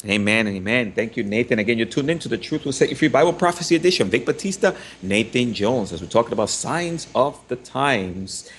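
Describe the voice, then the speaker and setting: A man's voice: medium pitch, expressive, a little fast, hardly any pauses, a little hiss or hum. A man from the Dominican Republic hosting a Christian radio talk show, upbeat and chatty with frequent fillers.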